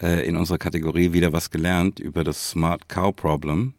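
A man's voice: low-pitched, little pitch movement, fairly quick, a little mellow, no room sound, clean studio sound. A man co-hosting a casual podcast, talking in slang and often tagging phrases with little questions. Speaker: podcast co-host.

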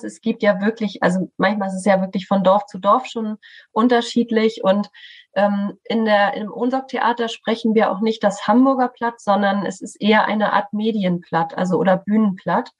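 A woman's voice: medium pitch, fairly even intonation, normal speed. A middle-aged woman from Schleswig-Holstein, explaining things thoughtfully as a podcast guest, with many fillers and restarts. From Schleswig-Holstein, northern Germany. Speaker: artistic director of a theatre studio, guest.

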